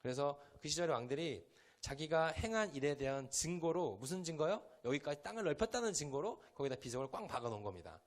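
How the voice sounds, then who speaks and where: A man's voice: fairly high pitch, animated, fast. A young male pastor from Chungcheong, South Korea, giving a conversational sermon to a youth group in a church hall and quizzing the listeners with questions.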